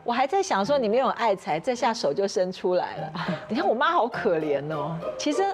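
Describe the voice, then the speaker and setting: A woman with a Taiwanese Mandarin accent, a talk show guest who tells an animated story and laughs often. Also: mid-range voice, a little fast. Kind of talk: casual talk show chat. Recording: studio mix with music underneath. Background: background music.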